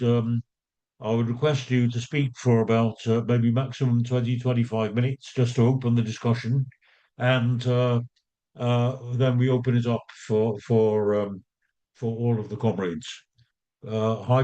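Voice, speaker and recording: A man chairing an online meeting, introducing the session and the first speaker with frequent pauses and fillers. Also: medium pitch, flat delivery, dark tone, lo-fi sound. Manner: hesitant, many fillers and restarts. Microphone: video call.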